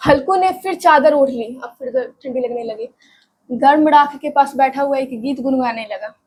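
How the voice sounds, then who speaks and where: High-voiced woman teacher reading aloud. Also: moderate pace, slight background noise. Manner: breaks in with plain-speech explanations and check-ins. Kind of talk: reading and explaining a story for students.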